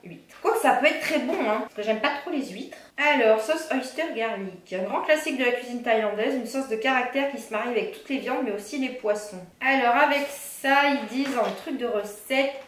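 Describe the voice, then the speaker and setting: A woman's voice: a little high, moderate pace, few pauses, a bit bright. A woman vlogger chatting casually through a food box unboxing, reading ingredient lists aloud with fillers and self-corrections. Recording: echoey room, faint background noise.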